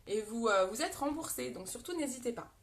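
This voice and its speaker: A woman's voice: on the high side, lively intonation, fairly quick. A French woman hosting a casual live makeup demo, chatting with viewers as she talks through products. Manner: chatty, greets viewers, frequent fillers.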